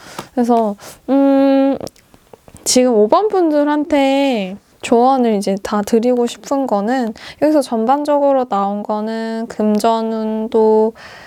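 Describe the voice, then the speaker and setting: A woman at a very slow pace and fairly high pitch, with ordinary pitch variation and music in the background. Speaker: tarot reader. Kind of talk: tarot reading monologue.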